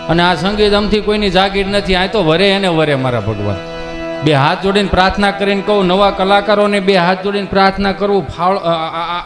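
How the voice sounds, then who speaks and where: A man telling folk jokes as a comedian, acting out villagers in shifting voices. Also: high-pitched. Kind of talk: live folk joke storytelling.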